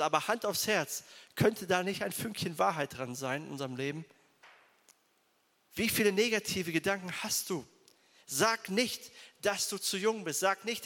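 Male pastor, high-pitched, emphatic direct-address sermon delivery, reverberant hall. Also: a bit bright. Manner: emphatic, direct address to listeners, repeats key phrases.

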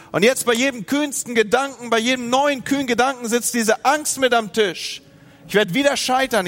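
A man preaching a sermon, from northern Germany, talking straight to his listeners and acting out their inner voices. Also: high voice. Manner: lively, speaks to the listener directly, acts out inner voices. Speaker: pastor.

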